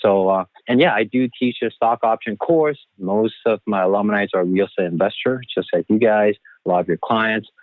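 A man from Taiwan speaks as an interview guest over a narrow, phone-like line. His voice sits fairly low and the sound is dry. He answers conversationally, in the role of a financial coach. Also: moderate pace, no room sound. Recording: thin phone-like band-limited line.

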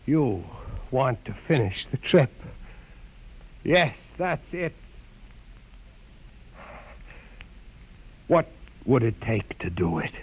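An actor playing an earnest, daring young heretic in a 1950s radio drama, urgent and insistent. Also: male voice, mid-range voice, sing-song, slow, darkish tone, breathy edge, full character voice. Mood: intent, determined. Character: earnest, daring young heretic nephew pleading his cause. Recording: muffled old 1950s radio recording.

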